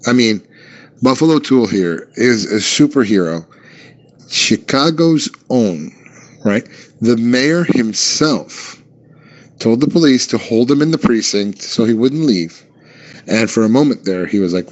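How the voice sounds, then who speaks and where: A man's voice: mid-range voice, animated, unhurried. A man banters on a comedy show, spinning absurd stories as if reading an official report. His voice sits in a middle range, and the recording sounds dull and lo-fi. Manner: mock-serious storytelling. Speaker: co-host.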